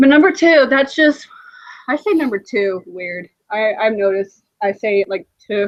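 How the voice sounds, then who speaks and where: Very wide pitch swings at a moderate pace, with an American accent. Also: woman, fairly high pitch for a woman. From US South. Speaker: online show host. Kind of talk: casual chat. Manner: animated.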